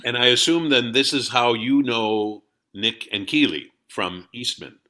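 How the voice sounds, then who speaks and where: A man hosting an interview, asking measured, courteous questions. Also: medium pitch, pushed and bright. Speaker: radio interviewer host.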